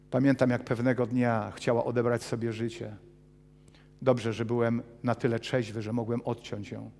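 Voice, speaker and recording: A man in his fifties preaching a sermon with personal testimony in a small church hall, animated and gesturing as he paces. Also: medium pitch. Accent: Polish. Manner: animated, gesturing broadly while pacing the stage. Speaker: pastor.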